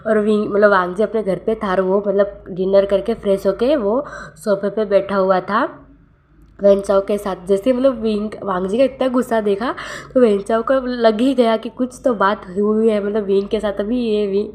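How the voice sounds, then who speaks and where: A woman's voice: medium pitch, a little mellow. A young woman casually retelling a fan fiction story aloud, rambling and often correcting herself.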